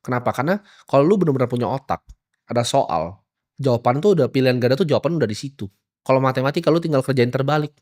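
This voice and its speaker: A man's voice: medium pitch, lively intonation, very fast, a little mellow. A young man giving a blunt, provocative motivational talk, mocking and casual. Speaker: motivational speaker.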